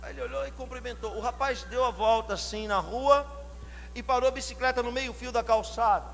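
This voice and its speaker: A man from São Paulo with a São Paulo Portuguese accent, preaching a sermon, questioning the congregation and building to loud shouted climaxes. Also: very high voice, fairly quick, vocal fry. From São Paulo, Brazil. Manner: asks the congregation direct questions. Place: church hall. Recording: long hall reverb, faint hum.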